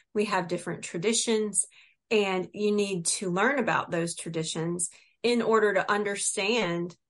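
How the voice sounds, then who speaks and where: A moderate pace carries a plain, everyday voice. The pitch varies in an ordinary way, in an American accent. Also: woman. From Charlotte, North Carolina. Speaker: travel agent. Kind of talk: interview.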